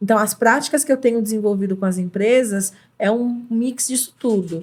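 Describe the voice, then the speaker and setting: With a São Paulo accent, a woman speaks at a moderate pace in a fairly high, somewhat breathy voice with ordinary pitch variation. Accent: São Paulo (paulista). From Brazil, São Paulo outskirts. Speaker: anthropology professor and diversity consultant. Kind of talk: podcast panel discussion.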